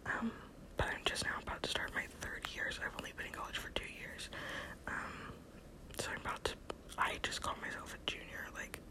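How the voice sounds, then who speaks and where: A twenty-year-old American woman whispering a casual, rambling ASMR personal update in a soft, breathy voice. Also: brisk, poor audio. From Texas, United States. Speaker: ASMR video creator.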